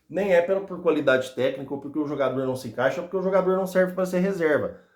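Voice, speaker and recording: A man's high-pitched voice with audible room echo. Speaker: football news YouTuber. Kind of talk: casual vlog commentary.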